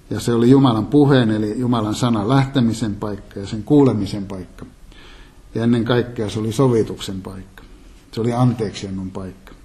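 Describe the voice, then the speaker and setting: Calm, low-voiced man preaching. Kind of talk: Bible teaching sermon.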